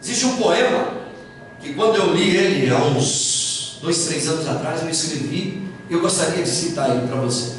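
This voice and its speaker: A man with a Brazilian Portuguese accent, a pastor delivering a sermon in a church hall with emphatic, deliberate preaching that rises into raised bursts. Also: a little high, expressive, a little hiss or hum. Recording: echoey hall from far off.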